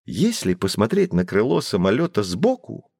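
Patient professor, lecturing tone, varied pitch, dry recording. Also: male voice, moderate pace, vocal fry, slightly rough, no room sound, exaggerated voice. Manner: calm, lecturing explanations. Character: patient explaining male professor. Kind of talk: children's audio drama.

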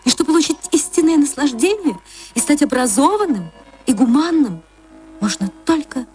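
A woman narrating a classic story in a gentle, measured literary reading. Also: high-pitched, expressive.

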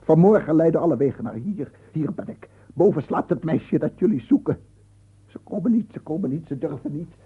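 A man's voice: on the high side, animated, fairly quick, husky. An actor playing a tormented, obsessive madman in a theatrical Dutch radio play monologue, intense and swinging from whispers to cries. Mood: desperate, calling out. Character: tormented, obsessive madman addressing imagined gentlemen. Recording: tinny, band-limited old radio recording.

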